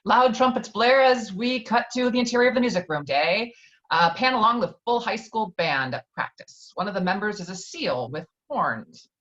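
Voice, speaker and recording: Casting: woman narrator for stage directions, lively intonation, slightly muffled video-call sound. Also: medium pitch, normal speed. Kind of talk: scripted narration, screenplay table read. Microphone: virtual table read over video call. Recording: dull lo-fi video call audio.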